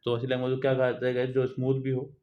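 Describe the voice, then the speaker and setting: Man teaching exam English, slow reads. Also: mid-range voice, monotone, phone-quality sound. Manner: reads English questions slowly, explains in Hindi; keeps addressing students as "guys" and "children". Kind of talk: exam prep lesson, reading questions aloud.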